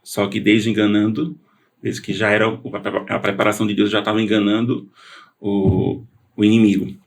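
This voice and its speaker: A low-pitched man with a gravelly edge tells his testimony as a podcast guest. He talks earnestly, stopping and restarting his sentences as he goes. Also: level tone, normal speed. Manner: earnest storytelling with many restarts. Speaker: interview guest.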